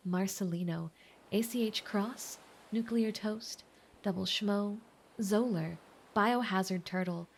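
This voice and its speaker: A woman's voice: mid-range voice, a little hiss or hum. A woman, an ASMR roleplay creator, giving a channel outro and thanking her supporters.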